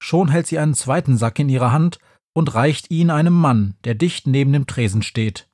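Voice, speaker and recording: A man reads a children's story aloud with a lively storyteller's touch. His voice is husky and breathy at a middle pitch, recorded close and completely dry. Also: moderate pace, dry recording. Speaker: narrator. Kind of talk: audiobook narration of a children's story.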